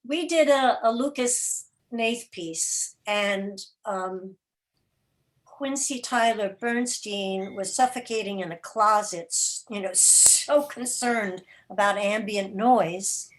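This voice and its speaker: A woman's voice: mid-range voice, slow pace, rough recording. A woman speaking informally as a guest producer, answering interview questions on a remote video call. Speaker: radio drama and podcast producer, guest.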